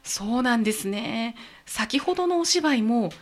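A woman hosting a community radio interview, asking questions in a lively, friendly way. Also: on the high side, measured pace. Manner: lively, bright interviewer with frequent laughs. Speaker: radio host.

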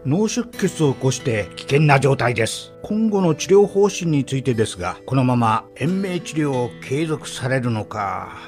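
A man acting as a calm, formal hospital doctor in a radio drama, speaking in a measured way. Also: medium pitch, soft background music.

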